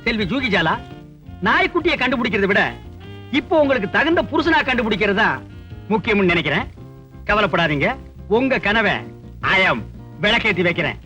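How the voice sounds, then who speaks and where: A man's voice: high-pitched, animated, a little fast, long pauses, bright, forceful tone, lo-fi sound, soft background music. An actor playing a vain, boastful village man posing as a head constable, who talks pompously and drops broken English into his lines. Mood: flirting. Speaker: comic actor in a film scene. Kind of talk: film comedy dialogue.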